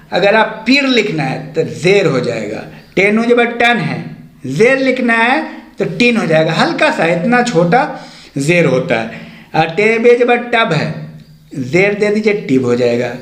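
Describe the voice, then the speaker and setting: A man's voice: high-pitched, roomy sound. A man teaching an Urdu lesson, patiently repeating letter names step by step.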